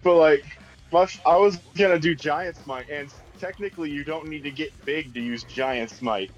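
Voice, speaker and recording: A man's voice: a little high, normal speed, faint music behind. A man playing a tabletop game, chatting casually, asking questions and reasoning aloud. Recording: slightly dull, band-limited sound.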